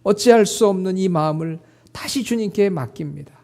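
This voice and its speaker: A middle-aged man preaches with a high-pitched but dark, warm tone. He speaks earnestly, rising into emotional quoted prayers and then settling into soft, intimate asides to the congregation. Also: moderate pace, creaky. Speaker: pastor. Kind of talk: sermon.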